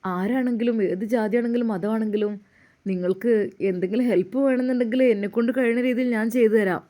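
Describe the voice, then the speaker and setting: A woman voicing a young, gentle male Muslim cleric who asks soft, concerned questions. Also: on the high side, fast talker, lightly acted.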